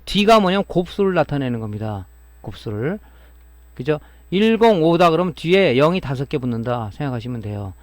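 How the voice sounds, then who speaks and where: Male instructor, step-by-step technical lecture with frequent check-in questions, fairly high voice, dry close sound. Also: big pitch swings, a little fast, no echo. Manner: explaining step by step, often adding a tag question to check understanding. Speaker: electronics repair instructor. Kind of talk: classroom-style technical lecture.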